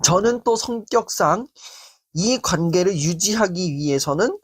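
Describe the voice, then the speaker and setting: A man giving a self-esteem lecture and answering a viewer's letter. He speaks in an animated way and acts out quoted speech. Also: high voice, unhurried, breathy edge. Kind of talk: talk-show style self-esteem lecture.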